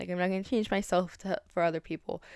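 In a very clean recording with a silent background and a dry, close sound with no echo, a woman of medium pitch speaks with an American accent. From Colorado, US. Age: 19. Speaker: podcast host and college basketball player. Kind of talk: casual solo monologue. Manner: filler-heavy, frequent ums.

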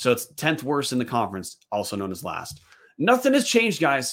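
Vocal fry marks this man's fairly high voice. The recording is very clean with a silent background. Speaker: podcast host. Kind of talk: casual sports podcast banter. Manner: sarcastic, joking.

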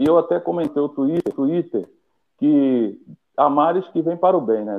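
A man's fairly slow speech with lively intonation. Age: 50s. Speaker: football fan, channel member. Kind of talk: casual chat.

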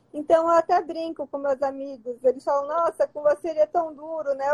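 Her voice dry and close with no echo, a woman speaks at a moderate pace with ordinary pitch variation. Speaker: journalist, daughter of the guest. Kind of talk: casual chat.

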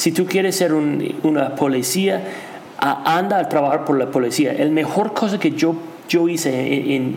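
Over noticeable background noise and audible room echo, a man talks with an English accent. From USA. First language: English (speaking Spanish). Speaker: personal branding consultant. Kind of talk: interview. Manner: halting, repeats words.

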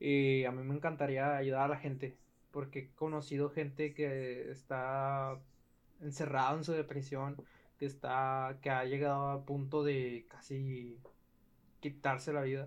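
A man with a fairly high voice speaks at a fairly slow pace in a monotone, flat intonation. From Ciudad Juárez, Mexico. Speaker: musician. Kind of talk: casual chat.

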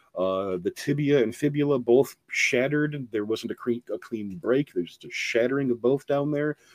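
A man speaks at a moderate pace with hardly any pauses, at a medium pitch and with ordinary pitch variation. The sound is dry and close with no echo, over a quiet background. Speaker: podcaster and musician. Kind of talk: casual chat, comedic banter. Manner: crude, joking.

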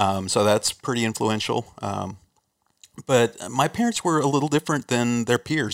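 In an American accent, a man with a plain, everyday voice and medium pitch speaks at a fairly quick pace, the sound dry and close with no echo. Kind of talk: testimony.

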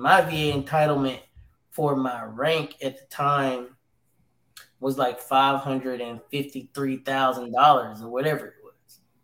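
A man talks in an Alabama accent at a medium pitch, with fairly even intonation. His loudness swings widely. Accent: Southern US (Alabama). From US South, Tuscaloosa, Alabama. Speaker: Marine drill sergeant. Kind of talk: casual chat.

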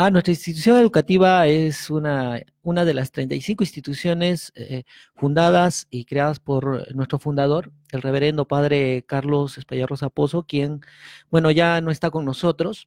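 At a fairly slow pace, a man with a fairly high pitch and an unremarkable speaking voice shows ordinary pitch variation, the sound dry and close with no echo in a very clean recording with a silent background. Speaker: school teacher. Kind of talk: casual interview talk.

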